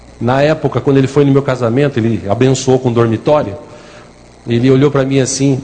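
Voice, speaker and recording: A man's medium-pitched voice at a fairly quick pace, with very even loudness and fairly even intonation, over noticeable background noise. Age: 50s. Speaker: pastor. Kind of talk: sermon.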